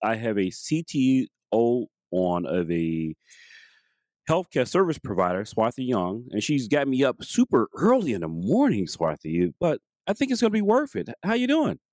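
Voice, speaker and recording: A man with a slightly raspy voice hosting a tech interview show, chatting casually and rambling with restarts. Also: mid-range voice, huge pitch swings, moderate pace, a little mellow, dry recording. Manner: rambling, with many restarts and fillers. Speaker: podcast host.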